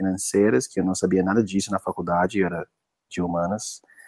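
In an English accent, a man talks at a fairly low pitch with a dark, mellow tone, his sound dry and close with no echo against a quiet background. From US Midwest (Indiana). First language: English (speaking Portuguese). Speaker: design consultant. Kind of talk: casual chat.

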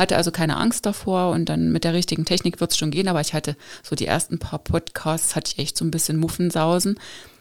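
Here is a woman with a plain, everyday voice, fairly low in pitch. She talks at a fairly quick pace with ordinary pitch variation. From village near Nordhausen, Thuringia. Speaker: university podcast host. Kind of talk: casual interview. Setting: studio.

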